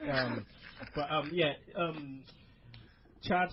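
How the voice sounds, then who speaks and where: A man with a raspy voice hosting a casual wrestling podcast, loose and swearing, repeating his punchlines. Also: a little high, extremely slow, muffled recording, crowd noise. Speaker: podcast host.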